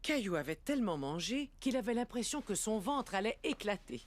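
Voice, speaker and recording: A woman's voice: mid-range voice, big pitch swings, a little fast. A woman playing a cheerful storyteller, reading scripted narration for a children's cartoon.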